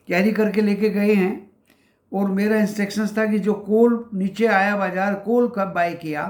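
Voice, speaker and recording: This stock market host keeps it casual, greeting viewers as friends and stepping through price levels with frequent pauses. He has a high voice, and the sound is roomy.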